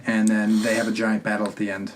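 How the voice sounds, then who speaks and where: A man's voice: fairly low pitch, monotone, fast, a little hiss or hum. A young man talking casually as a podcast host, chatting with friends about movies.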